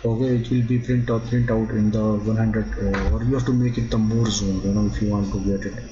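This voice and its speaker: A man with a fairly low voice gives a screen-recorded software tutorial in halting. He stops often on "okay" as he walks through each step. The sound is dull and lo-fi, from a basic computer mic. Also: flat delivery. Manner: halting, repeats "okay" often, non-native phrasing. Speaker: drafting instructor.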